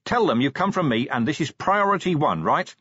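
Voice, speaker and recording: A gruff fantasy police commander from an audiobook, as acted by a man, with a husky edge to the voice. He is brisk and commanding, dryly sardonic, and his pitch moves about freely. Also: expressive, a bit bright, dry recording, dull audio. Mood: urgent.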